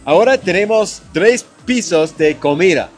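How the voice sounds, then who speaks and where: Slow, halting man vlogging a meal. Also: high-pitched, lively intonation, soft background music. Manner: halting, searching for words, restarts phrases. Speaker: vlog host tasting food. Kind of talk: casual food vlog chat. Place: restaurant.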